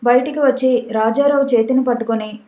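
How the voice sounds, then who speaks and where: Woman reading a novel in a flat voice. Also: a little high, brisk. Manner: steady, even reading. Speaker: audiobook narrator. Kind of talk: scripted narration of a novel. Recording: roomy echo.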